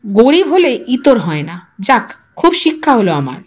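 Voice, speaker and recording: A woman's voice: on the high side, very animated, unhurried, breathy edge, exaggerated voice. A woman storyteller voicing a poor, proud husband in an audio story, speaking in a stern, hurt, accusatory manner. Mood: wounded anger. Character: Paresh, poor proud husband, wounded and indignant man.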